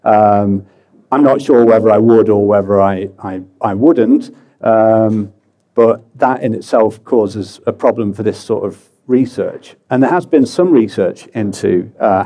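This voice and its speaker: British man, low mellow voice. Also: gravelly. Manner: relaxed, chatty, many fillers and self-deprecating asides. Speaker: conference speaker. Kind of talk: presenting a conference talk. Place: conference hall.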